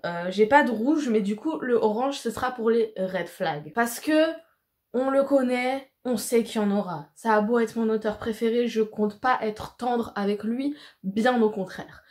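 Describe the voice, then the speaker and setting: A woman's voice: mid-range voice, darkish tone. Woman book vlogger, casual talk to camera, slangy and rambling. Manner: chatty, full of fillers and slang, laughs often.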